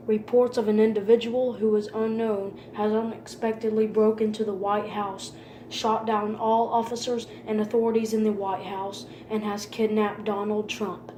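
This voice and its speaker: A woman's voice: mid-range voice, normal speed. A woman reading a scripted emergency broadcast announcement in a formal, impersonal manner. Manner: formal, impersonal, flat delivery. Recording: roomy echo with faint background noise.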